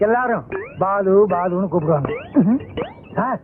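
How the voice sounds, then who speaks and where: A simple-minded villager who rambles innocently as he makes a complaint. His voice is high, and the sound is thin and phone-like with a faint hiss, like an old film. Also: lively intonation, a little slow. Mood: naive. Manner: naive and rambling. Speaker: villager reporting a lost cow.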